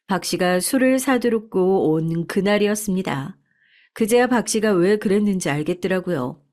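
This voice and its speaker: Calm woman narrating a life story. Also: medium pitch, moderate pace. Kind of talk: scripted first-person narration.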